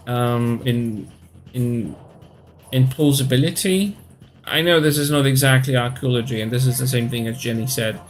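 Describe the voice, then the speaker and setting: Hesitant Polish-accented man in his thirties. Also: medium pitch. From Poland. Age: 30s. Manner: hesitant, pausing to search for words. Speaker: streamer. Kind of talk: casual live-stream chat.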